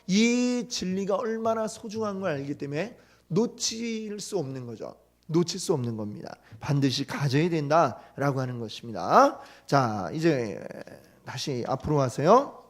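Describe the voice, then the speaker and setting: A male pastor giving a teaching sermon in church, who often puts questions to the congregation and retells the story with lively quoted lines. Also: a little high, unhurried. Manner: asks the congregation frequent questions.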